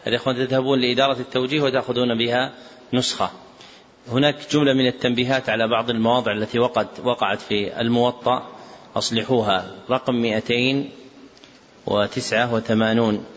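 A man's voice: medium pitch, steady tone, quick pace, long pauses. A man teaching a classroom lesson on a religious text, directing students and carefully spelling out corrections. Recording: dull echoey hall recording.

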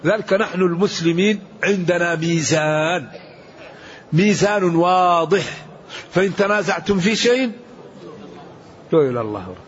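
A man's voice: high-pitched, normal speed, lo-fi sound, slight background noise. A man giving an earnest, emphatic Quran commentary lesson, quoting scripture and sayings as he preaches. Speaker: Quran teacher.

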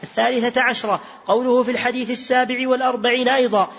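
A man reading a text aloud to his teacher in a steady recitation, correcting his own slips now and then. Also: very high-pitched, racing. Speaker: student reader. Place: large mosque hall. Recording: reverberant hall, dull lo-fi sound.

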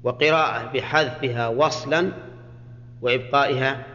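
A man's voice: medium pitch, fairly even intonation, moderate pace, pushed and bright. A man teaching Quranic grammar in a classroom lecture, explaining point by point and checking with students. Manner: explains point by point, often asks students "ha?" and "clear?". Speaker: Islamic scholar teaching Quranic exegesis. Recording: dull, lo-fi lecture recording with long reverb.

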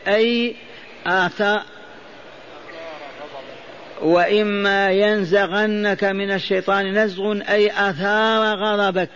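A man with a high voice gives a Quran lesson, going over phrases again and asking his listeners questions. He chants the verses he quotes, and the recording sounds dull and lo-fi. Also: fairly bright tone. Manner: repeats phrases, stops to quiz listeners. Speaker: Quran teacher.

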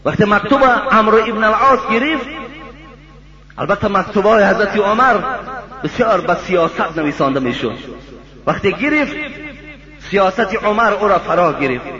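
A man preaching a sermon, telling a story in an animated way and turning to address his listeners directly. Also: high-pitched, long pauses. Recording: dull lo-fi recording with crowd behind.

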